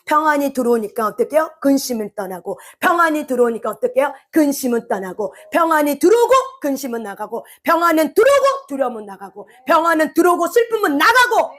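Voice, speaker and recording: A woman preacher delivers a fervent sermon in a fairly high voice. She keeps putting questions to her listeners. Her voice rises into loud, pleading cries at the height of her words. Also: very animated, fast talker, few pauses. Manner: impassioned, rises to shouted cries when voicing prayer; asks the congregation rhetorical questions.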